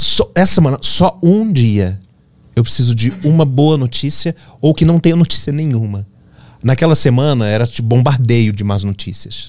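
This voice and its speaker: A man's normal speaking voice, medium in pitch, at a moderate pace with lively intonation. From Minas Gerais countryside, Brazil. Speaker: writer and theologian. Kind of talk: casual interview chat.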